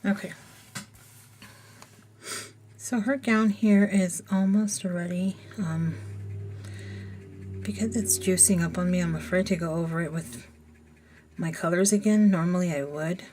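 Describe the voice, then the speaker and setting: A woman's voice: lowish voice, unhurried, pauses often, dark tone, a little hiss or hum. A woman with a slightly froggy voice, chatting casually and thinking aloud as she demonstrates a coloring technique in a voice-over. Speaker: coloring tutorial host.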